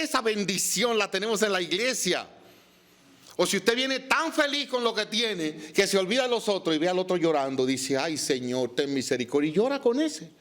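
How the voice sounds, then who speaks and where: Man preaching, higher-pitched voice. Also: fairly bright tone. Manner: preaching with rising emphasis and rhetorical questions. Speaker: pastor. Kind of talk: sermon.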